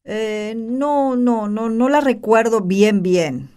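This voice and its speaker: A woman's voice: fairly high pitch, expressive, slow pace, warm tone. An Argentine woman playing a modest disciple who reminisces about her teacher in an amateur radio play. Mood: modest, reminiscing. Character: modest female disciple fondly recalling her master's teachings.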